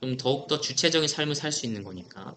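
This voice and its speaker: Noticeable noise fills the background. Over it, a man talks at a fairly quick pace. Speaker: academic educator / YouTube lecturer. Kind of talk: lecture with slides. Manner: fast; frequent filler hesitations.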